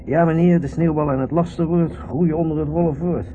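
An actor playing a stubborn, grumbling husband at the wheel who insists he is calm, in a Dutch radio play. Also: on the high side, brisk, lightly acted. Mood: dry complaining. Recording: muffled, noisy old radio recording.

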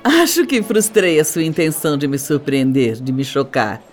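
A woman's voice: sits low, expressive, normal speed, faint music behind. An actress playing a composed, condescending middle-aged stepmother in a radio soap opera, with a Brazilian accent and a theatrical manner. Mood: condescending, grave.

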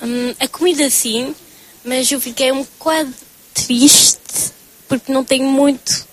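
A young woman student from Porto, answering hesitantly with pauses and fillers. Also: high voice, steady tone, poor audio. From Portugal, Porto. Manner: hesitant, soft-spoken, with fillers. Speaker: student interviewee.

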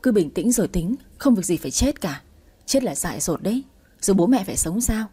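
A woman's voice: mid-range voice, sing-song, a little fast, dark tone, slightly rough. A woman voicing an angry middle-aged mother who scolds her grown daughter harshly. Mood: calming.

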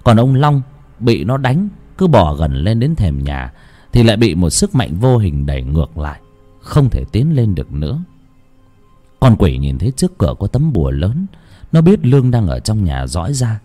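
Telling a ghost story, a man uses a lowish voice at a normal speed, dramatic and expressive in his storytelling. Soft music plays in the background.

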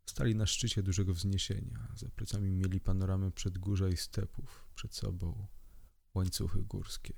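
A man reading a horror story aloud in measured, scripted narration. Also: low-pitched, little pitch movement, gravelly, a little mellow. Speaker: audiobook narrator.

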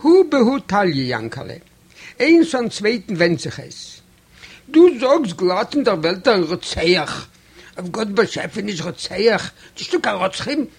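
A man's voice: sits high, big pitch swings, unhurried, slightly rough, heavily acted. A man doing a grave old rebbe. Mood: lecturing.

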